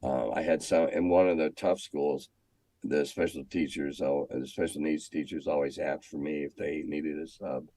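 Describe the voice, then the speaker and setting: Deep-voiced older American man telling stories. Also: steady tone, normal speed, warm tone, no echo. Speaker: guest, former schoolteacher. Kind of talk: casual storytelling interview.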